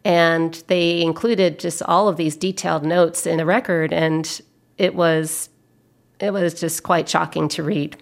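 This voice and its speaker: An American woman, a historian being interviewed, answering thoughtfully with measured, deliberate, halting phrasing. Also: lowish voice, fairly even intonation, gravelly.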